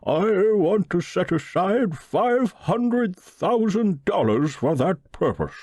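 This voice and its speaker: A man voicing a pompous, pious old millionaire with a solemn, slow drawl in an audiobook story. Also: sits high, big pitch swings, dark tone, no room sound, pitched above the performer's own voice, full character voice. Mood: solemn, determined. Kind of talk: audiobook character voice.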